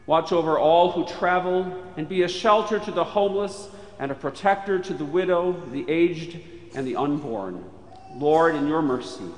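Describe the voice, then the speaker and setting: Solemn man praying in echoey chapel. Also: a little high. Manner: solemn, measured phrasing. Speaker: prayer leader at chapel. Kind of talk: formal spoken liturgical prayer. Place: large chapel. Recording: echoey chapel with long reverb.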